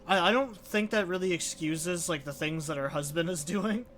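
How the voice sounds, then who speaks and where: A man's voice: fairly high pitch, moderate pace, fairly bright tone, a little hiss or hum. A man giving casual let's play commentary as a game streamer.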